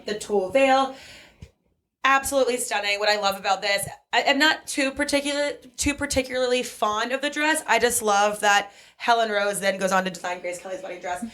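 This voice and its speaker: A woman's voice: medium pitch, a bit bright. A woman from a bridal salon, chatting on a podcast and gushing about wedding dresses. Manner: gushing, enthusiastic. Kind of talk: casual podcast chat.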